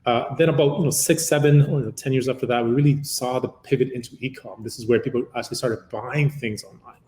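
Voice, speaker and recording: A Ugandan company founder in his fifties gives a long, meandering interview answer packed with "uh" fillers. His medium-pitched voice is steady and somewhat dark, he talks quickly, and the sound is reverberant.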